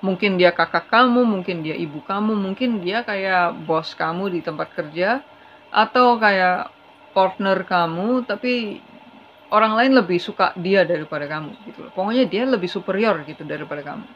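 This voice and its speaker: Tarot reader, chatty, earnest, mid pitch, slightly dull recording with faint hiss. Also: moderate pace. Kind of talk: casual tarot reading to camera.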